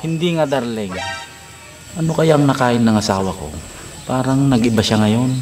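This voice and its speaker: Comedy skit: actor as a playful, flattering husband with a mid-range voice, over background music. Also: male voice, mid-range voice, moderate pace, natural voice. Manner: playful and flattering, calls her darling. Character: affectionate, teasing, henpecked husband.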